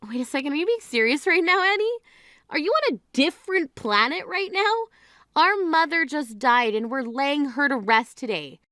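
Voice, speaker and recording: A woman acting out a blunt, exasperated grieving sister in a drama, scolding her sibling with a high, bright, sharp-edged voice. The sound is close and dry, with no room around it. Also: lively intonation, moderate pace, no room sound.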